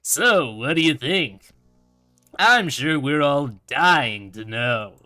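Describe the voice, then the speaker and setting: A man's voice: a little high, expressive, bright, forceful tone, no echo, faint music behind, exaggerated voice. A man voicing a sinister undead game show host in a visual novel game, showy and gleefully menacing. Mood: gloating. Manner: showy, drawn-out presenter delivery. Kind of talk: theatrical game show hosting.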